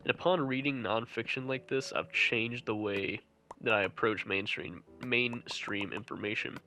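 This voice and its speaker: A young man with a stuffy, nasal voice, sniffling as he gives an earnest, measured reflective monologue, with some restarts. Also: medium pitch, fairly even intonation, bright, forceful tone. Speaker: channel host.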